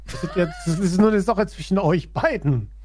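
A man's voice: high-pitched, animated, normal speed, darkish tone. A man in casual comedic podcast chat, laid-back and a bit defensive. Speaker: podcast co-host.

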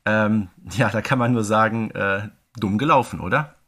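A man's voice: fairly low pitch, moderate pace, fairly bright tone. A man co-hosting a podcast, chatting informally about an audio drama series. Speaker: podcast co-host.

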